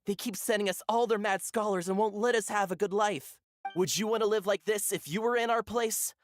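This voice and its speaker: A man voicing a zealous, gossipy desert villager with an earnest, excitable manner in a video game. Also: high-pitched, fairly quick, soft background music, lightly acted. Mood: pleading, earnest. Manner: earnest, excitable, stammering when cornered.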